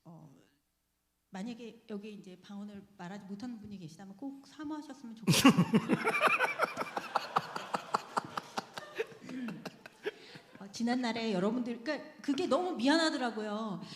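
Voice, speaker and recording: A woman tells her personal testimony to a congregation in a chatty, earnest way, often breaking into laughter. Her voice sits fairly high. The sound rings through a large, reverberant church hall. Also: expressive, brisk, noisy background. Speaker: church member giving testimony. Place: church sanctuary.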